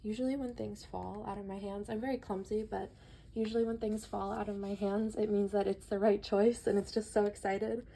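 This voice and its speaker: A woman's voice: mid-range voice, brisk, vocal fry, slight background noise. A woman giving a casual, chatty tarot reading with a stuffy nose, sounding slightly out of breath. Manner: chatty and relaxed, reads book passages aloud. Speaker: tarot reader.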